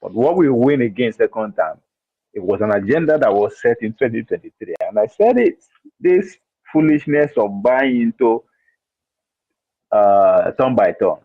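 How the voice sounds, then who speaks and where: A man's voice: mid-range voice, lively intonation, normal speed, dry recording. A man giving emphatic political commentary, heard from a muffled played-back clip.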